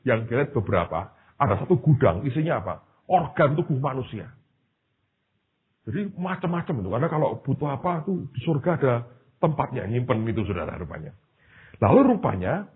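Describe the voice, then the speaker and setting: Very husky pastor preaching. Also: male voice, mid-range voice. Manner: animated storytelling, addresses the congregation directly. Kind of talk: sermon. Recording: tinny, phone-like lo-fi sermon recording.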